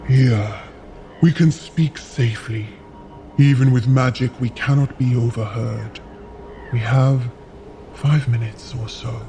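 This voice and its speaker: A solemn, guarded frost giant in a fantasy audio adventure. The voice is dark and mellow, with very slow, measured delivery over music. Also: male voice, medium pitch, fairly even intonation. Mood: hushed, solemn. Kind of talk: scripted audio adventure acting.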